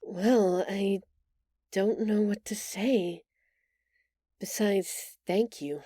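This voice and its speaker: A woman voicing a gentle, timid alien woman in an intimate audio roleplay, speaking hesitantly and earnestly, with tender halting stammers. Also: medium pitch, fairly even intonation, dry recording, clean studio sound. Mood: grateful, shy. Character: gentle, timid bioluminescent alien woman, shapeshifter in human exile.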